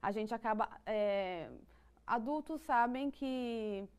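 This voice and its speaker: A woman's voice: fairly high pitch, slow, darkish tone, clear, resonant tone. A woman with a Brazilian Portuguese accent explaining psychology ideas in conversation, thoughtful, with frequent restarts and light laughs. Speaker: psychology guest.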